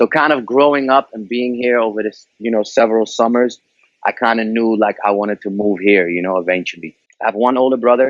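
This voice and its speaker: This speaker has a Dutch accent. The pace is fairly quick. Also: man, medium pitch for a man, ordinary pitch variation. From Netherlands, near Amsterdam. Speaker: rapper. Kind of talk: interview. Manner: casual, with many fillers.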